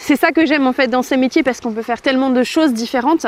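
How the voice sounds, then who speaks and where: The pitch varies in an ordinary way, with noticeable background noise behind the speaker. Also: woman, dry, close sound with no echo. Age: 20s. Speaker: YouTuber and singer. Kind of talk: vlog monologue. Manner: fast; hesitant, many fillers.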